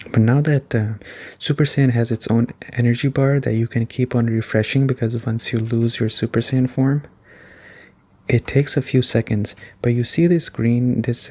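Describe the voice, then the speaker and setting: Soft-spoken man with a dark, mellow voice. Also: medium pitch. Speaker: gaming video host. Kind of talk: soft-spoken ASMR game review chat.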